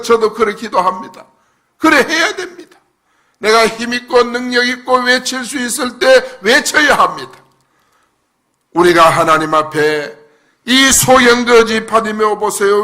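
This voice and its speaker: A male pastor delivers a fervent sermon in a very high voice. He swings between loud shouted cries and quiet, low asides. His tone is bright and sharp. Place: church sanctuary.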